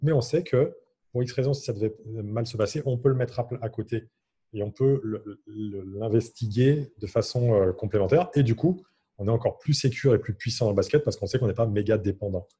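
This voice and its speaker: A man's voice: lowish voice, a little fast, dark tone, husky. A man leading an online coaching workshop over a video call, in an encouraging, instructive way.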